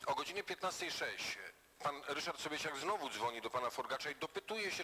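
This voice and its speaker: Sharp-toned man questioning a witness. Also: on the high side, poor audio. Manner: persistent, formal, reads out transcript excerpts. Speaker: committee member questioning a witness. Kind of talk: formal interrogation at a hearing. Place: parliamentary hearing room.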